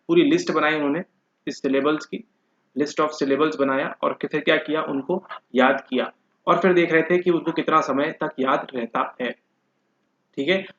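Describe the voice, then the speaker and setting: A man's voice: a little high, fairly bright tone. A man giving an exam-prep lecture, asking the class questions and answering them himself. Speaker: teacher. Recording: echoey room, dull lo-fi sound.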